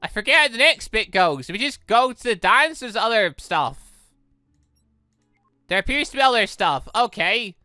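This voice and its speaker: A man's voice: high-pitched, sing-song, normal speed, bright, forceful tone, clear, resonant tone, no echo, studio quality, soft background music. A man giving casual let's-play commentary, rambling and interrupting himself with playful little sound effects. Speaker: gaming video host.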